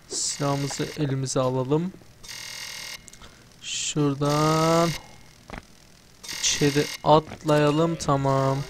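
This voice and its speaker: Brief: young male gamer, rather high voice, jokey and foul-mouthed, faint noise behind. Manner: joking, swearing, talks to the game characters. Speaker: gamer playing through a video game. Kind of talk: casual let's-play commentary.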